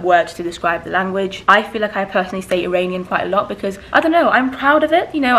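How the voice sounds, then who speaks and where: A woman's voice: medium pitch, slight background noise, poor audio. A woman of about thirty, raised in Switzerland with Persian as her first language, chatting casually to the camera from her living room and sounding slightly stuffy from hay fever. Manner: chatty, laughs often, warm asides. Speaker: vlogger. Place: living room with windows open. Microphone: camera placed close.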